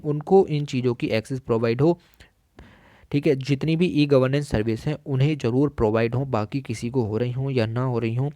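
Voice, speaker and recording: A man teaching an exam-prep lesson, explaining a magazine and slowing down to read quoted lines. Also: medium pitch, dark tone, no echo, clean studio sound. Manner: explains in Hindi, switches to slow, deliberate English for quoted lines; frequent "theek hai" and "alright" check-ins with the listener. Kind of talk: recorded lesson reading through a magazine.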